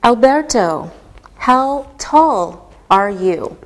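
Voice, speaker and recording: A woman teaching English to a class, speaking slowly and clearly and explaining each point patiently, step by step. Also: on the high side, lively intonation. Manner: patient, deliberate, spells things out step by step.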